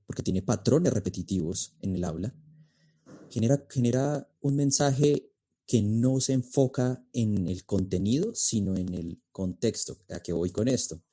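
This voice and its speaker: A man's voice: lowish voice, mellow. A man speaking as a podcast guest and speech coach, explaining in an emphatic way with rhetorical questions. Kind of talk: podcast interview.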